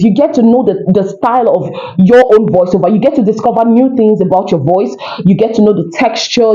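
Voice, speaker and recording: A woman's voice: medium pitch, warm tone. A woman with a Nigerian accent, a voiceover coach teaching to camera in an earnest, encouraging way, repeating her points. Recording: roomy, dull lo-fi sound.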